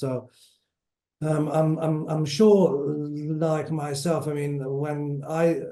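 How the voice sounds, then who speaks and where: A somewhat breathy quality marks this man's voice. His tone is dark and mellow. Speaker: researcher. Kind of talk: webinar interview. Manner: halting, stuttering speech; hesitant, many fillers.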